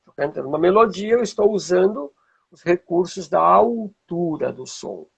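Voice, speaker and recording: A Brazilian man with a husky, gravelly voice, teaching informally and checking in with rhetorical questions, as a music teacher would. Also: sits high, lively intonation, moderate pace, lo-fi sound. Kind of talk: informal explanatory talk with demonstrations.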